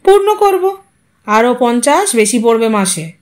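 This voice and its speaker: A woman's voice: a little high, sing-song, unhurried, a little mellow. A woman voicing a scrawny, money-grubbing poor husband who fawns, whines and haggles in an audio story. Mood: haggling. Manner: obsequious, whining, haggling.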